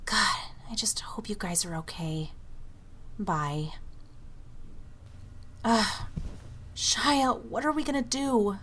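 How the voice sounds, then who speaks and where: A woman's voice: medium pitch, slow, pauses often, a bit bright. A woman playing an anxious, restless young woman in an audio drama, fretful and exasperated. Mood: worried. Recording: faint noise and room ambience.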